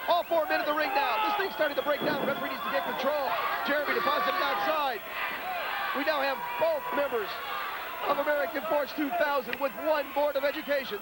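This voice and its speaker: A man giving excitable play-by-play commentary on a wrestling match, often shouting over the action, heard from a worn VHS tape copy. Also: very high voice, very noisy. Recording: worn VHS tape, loud arena crowd. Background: loud cheering wrestling crowd.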